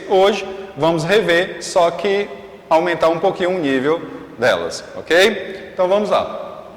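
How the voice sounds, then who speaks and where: A man with a slightly high voice teaches a recorded online lesson, pausing on fillers and checking in with his class after each point. His voice rings through an echoey room with a long reverb tail. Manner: frequent "é" fillers and "ok?" check-ins.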